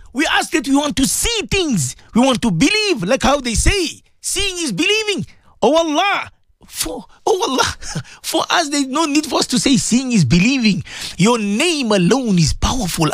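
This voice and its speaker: Tearful, impassioned Muslim prayer with sweeping pitch. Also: sing-song, moderate pace, a bit bright, no room sound, clean studio sound. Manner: pleading, emotional, repetitive invocations. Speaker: Muslim prayer leader giving a supplication. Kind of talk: impassioned live broadcast prayer.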